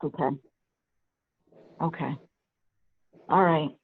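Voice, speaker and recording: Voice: medium pitch, steady tone, slow pace, gravelly, husky. A committee chair leading a meeting discussion, speaking hesitantly, repeating "okay" and asking questions. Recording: tinny phone-like line.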